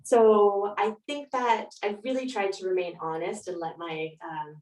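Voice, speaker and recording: A woman's voice: mid-range voice, fairly even intonation, unhurried, a little mellow, soft background music. A woman speaking as a guest author, in a thoughtful, reflective way. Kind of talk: reflective interview answers and reading aloud. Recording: roomy echo, distant mic.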